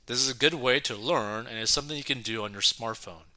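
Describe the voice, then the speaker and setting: A young man with a very bright, sharp voice reads a news story aloud, then breaks off into excited reactions. His commentary is casual and full of "like" and "right?" asides. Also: medium pitch, fast.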